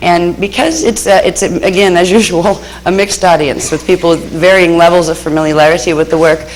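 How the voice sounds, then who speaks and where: There is audible room echo and noticeable background noise as the speaker moves at a fairly quick pace. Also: woman. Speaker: spiritual workshop teacher. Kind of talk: workshop lecture.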